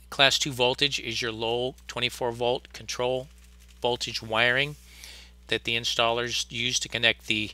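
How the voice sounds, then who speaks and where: A man's voice: mid-range voice, pushed and bright, clean tone, no echo. A man giving a practical online HVAC lesson, explaining a wiring diagram in a plain, easygoing way with many fillers. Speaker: HVAC instructor. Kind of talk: online training lecture.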